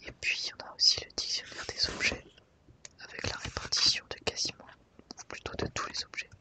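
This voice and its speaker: The host of an ASMR video whispers quietly, taking a relaxed, guided look through a book.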